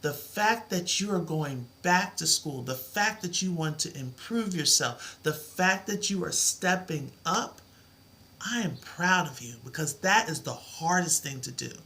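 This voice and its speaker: A woman's voice: low voice, expressive, a little slow, a bit bright. A middle-aged woman teaching a live math lesson, with a soothing voice and an encouraging, reassuring way of talking. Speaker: math tutor.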